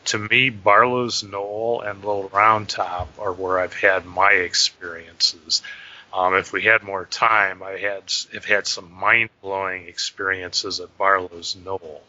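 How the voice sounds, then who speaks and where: A man with a lowish, very sharp, forceful voice gives measured, earnest interview answers. The recording is dull and lo-fi. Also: flat delivery. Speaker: guest, paranormal journalist. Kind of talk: interview conversation. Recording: dull, lo-fi line.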